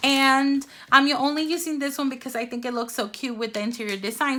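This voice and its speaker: A woman's raised, projected voice with a Spanish accent, high in pitch, bright and sharp in tone, animated, with ordinary pitch variation. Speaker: YouTuber and elementary teacher. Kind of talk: product review.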